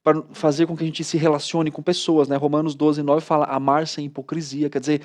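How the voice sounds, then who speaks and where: Brazilian pastor guy telling stories all excited, voice a bit high, lots of "né". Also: brisk. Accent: Brazilian Portuguese. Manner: animated storytelling, many "né" tags. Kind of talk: casual studio talk.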